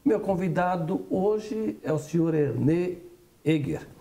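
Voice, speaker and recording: A male TV host with a gravelly, dark voice, warmly steering his guest through a sit-down interview. He asks leading questions in a relaxed, friendly way. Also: on the high side, a little slow.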